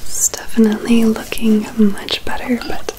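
Young woman doing asmr, gentle breathy whisper, kinda high, right up on the mic. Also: completely flat delivery. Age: young adult. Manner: gentle, soothing, unhurried. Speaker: ASMR artist in a personal-attention roleplay. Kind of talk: soft-spoken ASMR roleplay. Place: small indoor room with curtains. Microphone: close USB condenser microphone.

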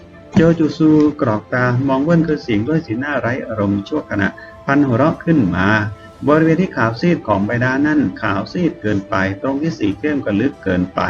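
A man narrating a novel in a steady reading voice, now and then correcting himself. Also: mid-range voice. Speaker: audiobook narrator. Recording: slightly dull recording with soft music. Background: soft background music.

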